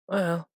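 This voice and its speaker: A man's voice: no echo, clean studio sound. A man playing a chatty, fussy angel in an audio drama, with theatrical, musing asides. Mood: wry, teasing. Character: chatty, fussy, coffee-loving male angel, teasing elder brother.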